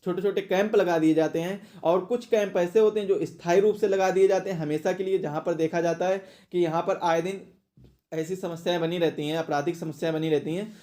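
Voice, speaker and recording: A man's voice: sits high, fairly even intonation, brisk, mellow. A man teaching an exam question-and-answer lesson, explaining and repeating phrases for emphasis.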